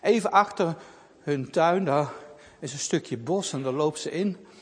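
A man reading a Christian children's story aloud with expressive delivery. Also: fairly high pitch, a little slow, husky. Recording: long reverb.

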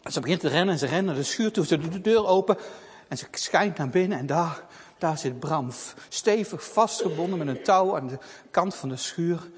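A man reading a Christian children's story aloud with expressive delivery. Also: on the high side, normal speed, breathy edge. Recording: long reverb.

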